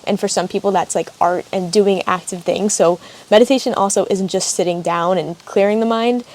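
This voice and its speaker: A young woman, a yoga teacher, hosts a casual solo podcast from an open-air cabin, with wind audible in the background. She rambles chattily with lots of "like" fillers. Her medium-pitched, darkish voice is fairly quick with fairly even intonation.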